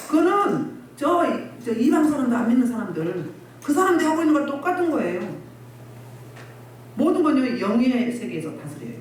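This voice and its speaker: Woman pastor, scolding sermon style; animated delivery, distant roomy recording with faint hiss. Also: high voice, a little fast. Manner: scolding, exhorting, rhetorical questions. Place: church hall. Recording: echoey distant church recording, faint noise.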